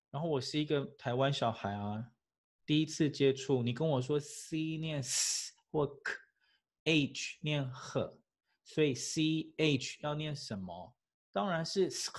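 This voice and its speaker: In a fairly high voice, an English teacher runs an animated classroom lecture peppered with rhetorical questions and laughter.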